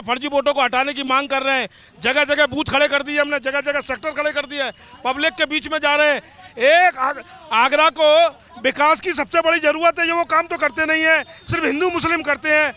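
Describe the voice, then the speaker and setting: A man politician speaking in a debate, his voice very high and piercingly bright. He presses his points hard in quick bursts, repeating demands one after another. Outdoors, with no crowd heard. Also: fairly even intonation. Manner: forceful, piles up demands and accusations in short bursts. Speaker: opposition politician. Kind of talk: campaign speech in a debate.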